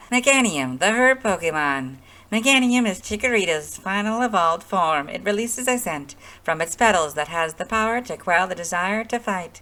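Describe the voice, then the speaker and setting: A man puts on a robotic character voice, high in pitch, at a moderate pace. The recording is very clean, with a silent background. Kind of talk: informational narration. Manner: mechanical, robotic.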